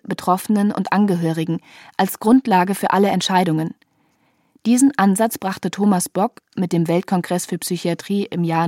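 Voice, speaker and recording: A woman reading scripted documentary narration in an even, informative way. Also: lowish voice, no room sound, clean studio sound.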